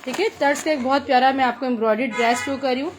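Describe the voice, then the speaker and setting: Pakistani lady selling clothes on a live stream, high voice, chatty teleshopping pitch, bit noisy with clicks. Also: rapid-fire. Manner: chatty teleshopping patter, repeating praise and prices. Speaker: live online clothing seller. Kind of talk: live sales pitch, showing items.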